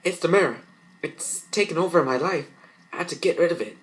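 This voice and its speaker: A man's voice: a little high, expressive, a little fast, fairly bright tone, voice pushed up, low-quality recording. A man voicing an anxious, guilt-ridden teenage cartoon girl in a raised, strained voice. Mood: panicked.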